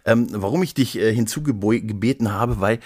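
A man's voice: lowish voice, brisk, darkish tone, no echo. A man hosting a podcast in casual, playful chat, rambling along with frequent little tag questions. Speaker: podcast host.

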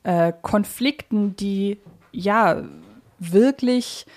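A woman's voice: medium pitch, very slow, a little mellow. A woman co-hosting a podcast, explaining things in an articulate, analytical way in conversation. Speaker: podcast co-host.

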